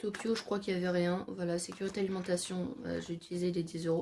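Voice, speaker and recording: A woman at medium pitch talks at a fairly quick pace with fairly even intonation. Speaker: vlogger. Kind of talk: casual vlog. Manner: trying to speak louder.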